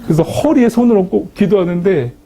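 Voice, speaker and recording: A man giving a Christian testimony talk, telling his story in a lively, self-mocking way. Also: high-pitched, a little fast, slight background noise. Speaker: Christian speaker sharing a testimony.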